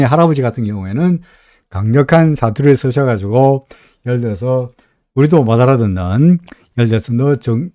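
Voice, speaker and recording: With a mellow, medium-pitched voice and no echo, a middle-aged man hosts live stock market commentary. He comes from Gyeongsang, Korea, and his accent shows it. His delivery is folksy and talkative, peppered with "right?" aimed at his listeners.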